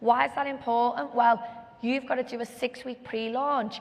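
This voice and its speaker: A woman with a British accent speaks at a fairly high pitch, her intonation fairly even. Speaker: business coach on panel. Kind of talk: panel talk to audience.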